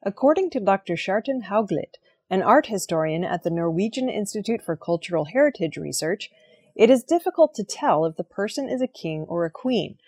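A woman reading the weekly archaeology news headlines in a clear, measured scripted style. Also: medium pitch, animated, a little mellow. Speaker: news reader.

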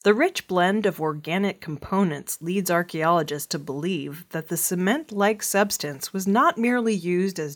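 A woman reading archaeology news stories in a steady, clear newsreader manner. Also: on the low side. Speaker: news reader.

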